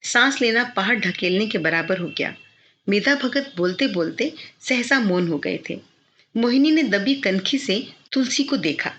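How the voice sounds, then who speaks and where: A woman reading a novel aloud as an audiobook narrator, measured and expressive. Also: mid-range voice. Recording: slightly dull lo-fi recording.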